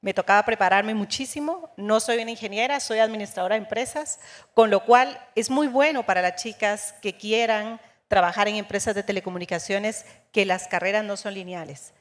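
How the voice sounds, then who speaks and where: A woman's voice: medium pitch, brisk. Composed woman from Guatemala in a reverberant hall. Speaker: panelist, telecom executive. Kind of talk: panel answer. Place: conference stage.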